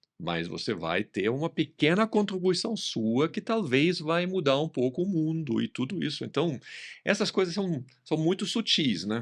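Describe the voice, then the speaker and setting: Over a quiet background, the voice moves at a moderate pace with very wide pitch swings. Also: man. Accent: non-native. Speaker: podcast host. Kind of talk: interview conversation.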